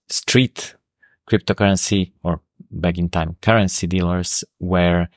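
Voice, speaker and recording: A man with a Slovak accent, a native Slovak speaker, hosting a podcast and introducing an episode with unhurried, halting speech full of fillers. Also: sits low, a little mellow, no room sound, studio quality. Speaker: podcast host.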